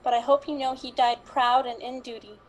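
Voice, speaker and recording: High-voiced, earnest woman as a grieving police officer. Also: level tone, normal speed, low-quality recording. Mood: earnest, sorrowful. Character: apologetic police colleague mourning a fallen officer, earnest. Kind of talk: amateur radio drama acting.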